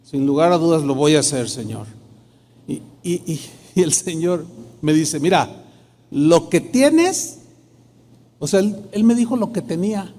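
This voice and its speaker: A man's voice: on the high side, expressive, a little slow, pauses often, mellow. A middle-aged man, a pastor telling a personal testimony in a sermon, acting out the dialogue in shifting tones. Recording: long hall reverb.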